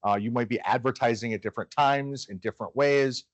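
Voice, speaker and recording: A man's voice: mid-range voice, a little fast, no echo. A man moderating a live business panel, setting up questions for the speakers. He stumbles and repeats words before settling into his point. His voice sounds dry and close. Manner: hesitant, repeats words while framing questions. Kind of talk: panel discussion. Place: event room with live audience.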